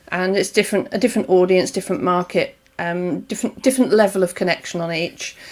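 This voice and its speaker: Talking very fast with an East Anglian accent, a woman uses a medium pitch with ordinary pitch variation. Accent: British with some Norfolk. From southern and eastern England (Kent, Norfolk). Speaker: live show host. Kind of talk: casual interview chat. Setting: Facebook Live video call.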